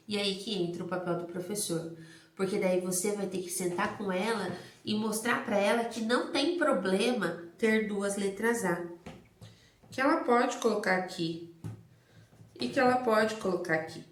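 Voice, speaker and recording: A woman's voice: medium pitch, fairly bright tone. A Brazilian woman teacher giving a lecture, explaining step by step, asking rhetorical questions and answering them, and stretching words out to stress their sounds. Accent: Brazilian Portuguese. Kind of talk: recorded lecture on early literacy. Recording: roomy, echoey recording.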